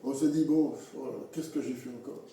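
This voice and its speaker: A man preaching a sermon in a halting way, repeating words and acting out little everyday scenes. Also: medium pitch, fairly even intonation, mellow. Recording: echoey hall from far off.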